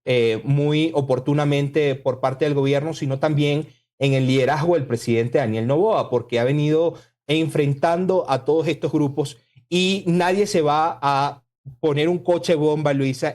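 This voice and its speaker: A man from Venezuela, a political spokesman, speaking forcefully and combatively as a guest in a radio interview. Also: on the high side. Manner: forceful, combative political talk with emphatic lists.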